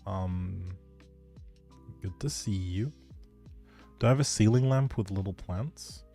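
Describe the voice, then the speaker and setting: A man's voice: deep voice, takes it slowly, gravelly, mellow, faint music behind. A man chatting casually to viewers on a game livestream, musing aloud as he plays. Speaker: game streamer. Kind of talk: casual livestream chat while playing a life-simulation game.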